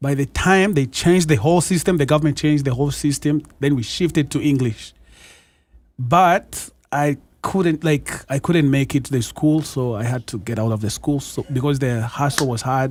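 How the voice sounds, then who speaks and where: A man with a Rwandan accent speaks at a moderate pace, fairly high in pitch with ordinary pitch variation, on a very clean recording with a silent background. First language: Kinyarwanda. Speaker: singer. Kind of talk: interview. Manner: halting.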